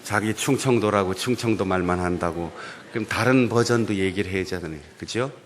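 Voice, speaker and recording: A male pastor giving a humorous, animated sermon in a church, playing with regional dialects. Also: on the low side, brisk, a little hiss or hum. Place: church sanctuary.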